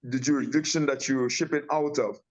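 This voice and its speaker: A man's voice: medium pitch, steady tone, a little fast. A man from Guyana talks as an interview guest over a remote call. His speech rambles, with many restarts and fillers. The audio is muffled and lo-fi. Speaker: guest, tea company owner. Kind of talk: casual interview talk.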